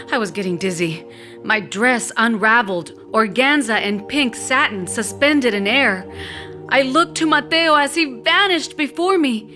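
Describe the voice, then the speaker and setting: A woman's voice: fairly high pitch, fairly bright tone. A woman playing a dramatic, dreamy young Latina who narrates her own story in an audio drama. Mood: alarmed, bewildered. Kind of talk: first-person scripted audio fiction narration.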